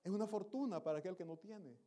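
A pastor delivers a Sunday sermon to his congregation, exhorting them and putting questions to them. His voice sits somewhat high for a man. His tone is mellow and relaxed. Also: quick pace. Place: church service.

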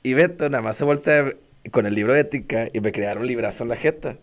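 A man's voice: mid-range voice, fast talker. A young man with a Mexican Spanish accent, telling a school story in casual slangy chat with a friend. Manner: laughing, slangy, quotes himself and others.

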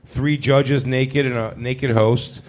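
A man's voice: medium pitch, fairly even intonation, takes it slowly, darkish tone. Blunt, crude-joking man on a club stage. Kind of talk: live comedy panel banter. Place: comedy club stage before a live audience.

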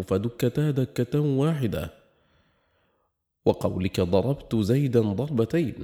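A man giving a formal reading of a classical grammar treatise. His recitation is measured, and he slows down on each quoted example. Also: on the low side, dark tone. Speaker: reader of a classical grammar text.

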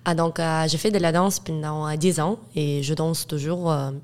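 A woman's voice: deep voice, steady tone, normal speed. An eighteen-year-old woman from Ukraine with a Ukrainian accent, speaking French as a second language in a casual interview, hesitant with many fillers and laughs. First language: Russian and Ukrainian. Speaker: guest, student.

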